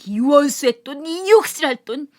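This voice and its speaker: A woman voicing a drunk middle-aged male rickshaw puller who shouts and brags in a rowdy, slurred way. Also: a little high, lively intonation, a little slow. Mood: angry shouting.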